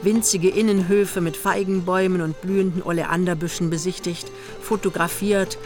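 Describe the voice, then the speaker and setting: An actress narrating a literary radio play in the third person as a storyteller. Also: female voice, lowish voice, steady tone, normal speed, a little mellow, close to an everyday voice. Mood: measured storytelling. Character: female narrator of a young couple's holiday tale. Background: music.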